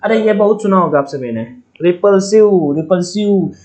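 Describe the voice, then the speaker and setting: A man's voice: sits high, moderate pace, very noisy. Chatty man teaching vocabulary with jokes. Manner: chatty, joking memory tricks, calls viewers brother. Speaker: online exam tutor. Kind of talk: casual vocabulary lesson.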